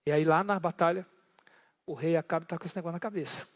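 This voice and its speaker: A Brazilian pastor preaching, telling the story with lively energy and calling out to the congregation. His voice is notably high for a man. A long hall reverb hangs behind every sentence in the church. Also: quick pace. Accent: Brazilian Portuguese. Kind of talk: sermon.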